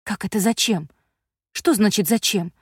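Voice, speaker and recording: A woman's voice: mid-range voice, moderate pace, breathy edge, no echo, clean studio sound, natural voice. A woman reading a story aloud, voicing a worried mother pleading with her daughter. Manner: tense, pleading, raised.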